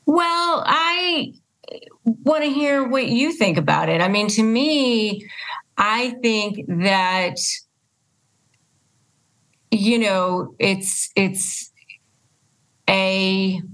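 A woman's voice: mid-range voice, extremely slow, long pauses, fairly bright tone, poor audio. A woman hosting a casual conversational interview, speaking emphatically and repeating her points for stress. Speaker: podcast host and interviewer.

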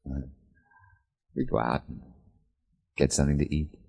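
An actor playing an easygoing, reflective detective in an old radio drama, with an American accent and a tender manner. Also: male voice, extremely low pitch, steady tone, moderate pace, creaky, a little mellow, husky, in a large hall, exaggerated voice. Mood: tender, musing. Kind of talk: 1940s-50s radio drama acting.

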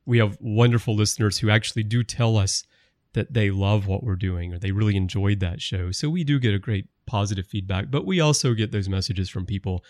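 Podcast host guy, lowish voice, kinda rambly, long questions, dry close sound. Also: brisk, darkish tone, dry recording. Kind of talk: casual podcast chat.

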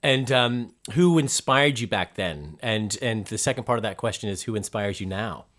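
A man's voice: lowish voice, animated, moderate pace, a bit bright. A man with an American accent hosting a casual interview, asking long, rambling questions with restarts. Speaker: interview host. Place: London.

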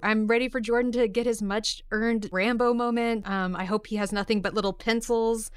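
A woman's voice: on the high side, steady tone, moderate pace, smooth, no echo, clean studio sound. A woman hosting a casual interview, speaking in an effusive, encouraging way to her guest. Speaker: podcast host interviewing a guest. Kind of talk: casual, enthusiastic interview chat.

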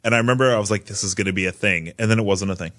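A man with a fairly low voice speaks as a podcast panelist. His delivery is casual and conversational, as in a chat among colleagues. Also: racing, fairly bright tone.

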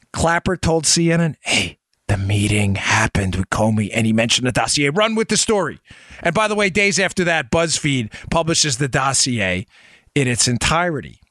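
A man's voice: high-pitched, bright, forceful tone, no room sound, studio quality. A man hosting a political talk show in an emphatic, insistent monologue, firing rhetorical questions at his listeners.

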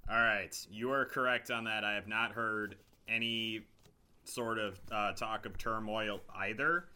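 A man's voice: lowish voice, steady tone, unhurried, bright, forceful tone, clear, resonant tone. An American man chatting casually as a sports podcast co-host. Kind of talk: casual chat.

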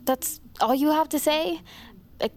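A woman's voice: sits high, a little slow. An actress playing a sarcastic, disbelieving daughter confronting her mother. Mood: scornful. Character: scornful grown daughter arguing with her mother.

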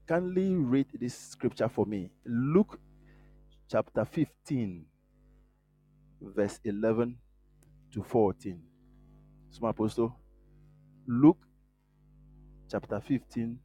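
A man preaching a sermon while hoarse from a cold, earnest and prayerful, growing more fervent as he prays. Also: medium pitch, mellow. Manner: earnest, prayerful, rising in fervor. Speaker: guest preacher.

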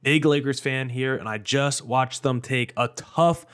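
Young guy doing his sports podcast solo, kinda hoarse, mid-pitched, gets all excited, lots of "like" and "i mean". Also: unhurried. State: slightly hoarse from screaming. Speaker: podcast host.

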